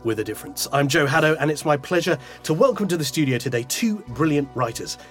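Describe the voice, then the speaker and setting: A man's voice: a little high, expressive, fast, soft background music. A man with a British accent hosting a casual book podcast interview in a chatty, complimentary way. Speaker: podcast host.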